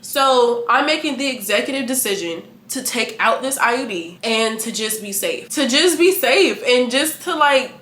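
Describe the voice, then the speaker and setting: Young woman in her 20s, vlogger, bright voice, animated and frank, echoey room. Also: on the high side, moderate pace, hardly any pauses, slight background noise. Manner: animated, candid, laughing, profane. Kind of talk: casual chat to camera.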